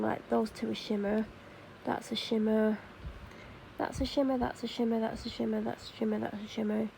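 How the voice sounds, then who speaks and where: Chatty Mancunian woman, gravelly voice. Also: a little high, dark tone, slight background noise, poor audio. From Manchester, England. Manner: chatty and rambling, many fillers and self-corrections. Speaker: vlogger. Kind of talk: casual chat while doing makeup.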